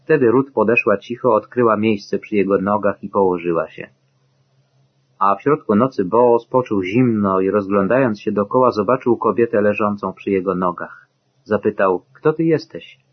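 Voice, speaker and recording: Man reading a bible story, steady and measured, husky voice, dull lo-fi sound. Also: on the low side. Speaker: narrator. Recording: dull lo-fi recording.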